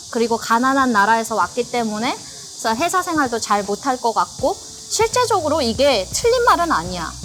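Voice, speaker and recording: With hardly any pauses, a woman talks at a moderate pace in a high voice that swings very widely in pitch over noticeable background noise. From North Korea, Wonsan. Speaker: YouTuber, North Korean defector. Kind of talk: casual chat.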